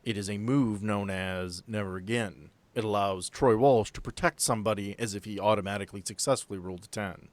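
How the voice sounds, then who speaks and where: A man's voice: fairly low pitch, brisk, hardly any pauses, no echo. A man narrating a tabletop role-playing game as game master, telling the story in an improvised, conversational way.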